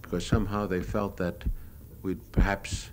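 Deep-voiced man narrating over noisy old recording. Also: little pitch movement, moderate pace. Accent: American. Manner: matter-of-fact, hesitant reminiscing. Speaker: newsreel cameraman. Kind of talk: unscripted narration of his own home movies.

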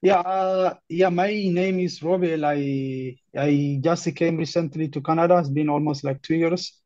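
A young Ethiopian man with a fairly high, even voice speaks haltingly in a casual conversation. His accent is Ethiopian and he often repeats words. The sound is a dull, lo-fi online call. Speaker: career guidance client, refugee newcomer. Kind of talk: casual conversation, introducing himself.

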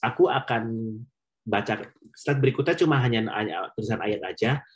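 A man's voice: mid-range voice, moderate pace, rough recording. A man leads a casual sermon at an online prayer meeting. He talks to the group like friends, with a mid-range voice, and drops English phrases into his preaching.

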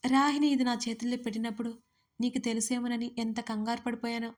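A woman voicing a shy, tearful young woman in love in an audio story, confessing softly and hushed. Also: fairly high pitch, little pitch movement, quick pace, close to an everyday voice.

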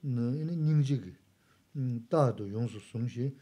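A man teaching Buddhism in short phrases with frequent hums and hesitations, pausing for his interpreter. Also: medium pitch, warm tone, husky. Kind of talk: Dharma teaching, translated line by line.

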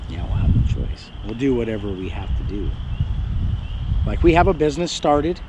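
A middle-aged man in casual chat, telling stories bluntly and getting animated, recorded outdoors by a camera a few meters away. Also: medium pitch, moderate pace. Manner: blunt, storytelling, animated when recounting. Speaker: homesteading vlogger. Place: sunny yard outdoors, seated in camp chairs. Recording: noisy outdoor camera audio.

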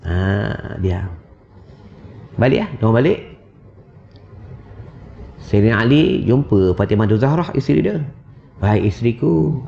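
Animated Malay preacher with a gravelly voice. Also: male voice, mid-range voice, lo-fi sound. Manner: animated, teasing, acts out wives' voices. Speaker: religious preacher. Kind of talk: lively sermon. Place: mosque prayer hall.

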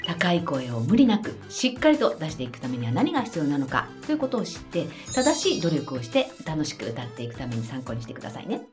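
A woman vocal coach giving a friendly, lively singing lesson and explaining voice types clearly. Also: sits low, fast, few pauses, soft background music.

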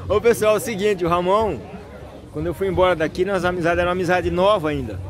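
An older man chats to his camera at a busy outdoor street market. His voice sits high for a man, and he rambles in a cheery way, laughing now and then. A market crowd is clearly heard behind him. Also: fairly even intonation, quick pace. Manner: cheerful, chatty, laughs often. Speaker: vlogger. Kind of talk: casual vlog to camera.

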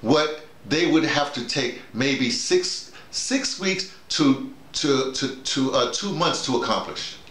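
With a mid-range, slightly bright voice and lively intonation, a middle-aged or older man explains something informally to colleagues. He's a workshop leader and radio drama teacher, speaking emphatically, haltingly and repetitively while seated in a small, roomy-sounding space with bare walls.

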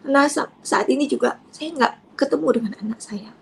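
A woman giving an emotional personal testimony as a convert, tearful at times, dropping to soft near-whispers and rising to raised outbursts. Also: high-pitched, fairly quick, creaky, husky.

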